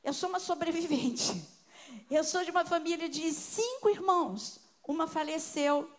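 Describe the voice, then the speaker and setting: An older Brazilian woman preaches a sermon built on personal testimony, telling her story emotionally as her volume swings from soft to loud. Her voice is extremely high, and she speaks at a moderate pace.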